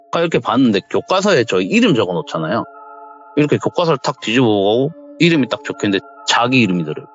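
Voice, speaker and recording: A man hosting a horror story radio show, retelling a listener's ghost story and acting out the quoted dialogue. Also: fairly low pitch. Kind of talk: storytelling narration. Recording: dull lo-fi recording.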